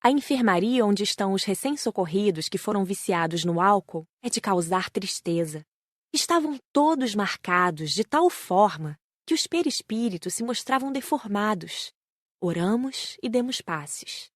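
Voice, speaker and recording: A woman's voice: mid-range voice, expressive, moderate pace, no room sound. Brazilian woman narrating, very dry sound. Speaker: audiobook narrator. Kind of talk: scripted narration.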